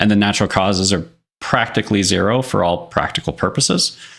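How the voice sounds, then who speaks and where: A man's fairly low-pitched voice with a Newfoundland accent. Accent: Newfoundland accent, mild when sober. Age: 20s. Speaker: streamer. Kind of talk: casual chat. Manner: halting, many fillers.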